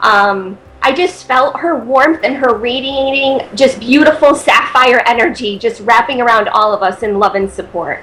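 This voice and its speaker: A woman's high-pitched voice with a New England accent, ordinary pitch variation, a moderate pace and hardly any pauses, over noticeable background noise. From Connecticut. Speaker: angel messenger and medium. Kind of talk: channeled message reading.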